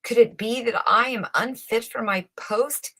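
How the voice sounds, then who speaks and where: A woman reading a storybook as a flustered old male chamberlain, anxious to please, exclaiming and gushing in drawn-out words. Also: a little high, pushed and bright, voice pushed up. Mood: alarmed, worried.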